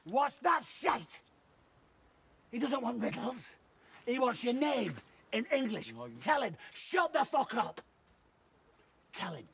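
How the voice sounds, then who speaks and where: Brutal bullying soldier, slow deliberate threats, lively pitch, over background noise. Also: male voice, gravelly, full character voice. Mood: sneering. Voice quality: harsh and abusive. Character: brutal, bullying male soldier barking orders. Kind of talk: film drama acting.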